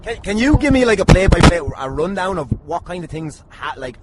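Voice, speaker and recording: Fairly quick and high-pitched, with big swings in pitch, an Irish podcast host jokes around and teases, swearing now and then. The audio is very noisy and at times slightly distant.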